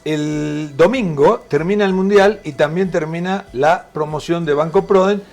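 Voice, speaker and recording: A man's voice: on the high side, moderate pace, a little mellow. A man from Argentina with an Argentine accent, co-hosting a morning TV talk show in a chatty, joking way. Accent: Argentine Spanish. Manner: chatty, joking, reads out ad figures. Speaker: TV show co-host. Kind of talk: casual TV talk show banter.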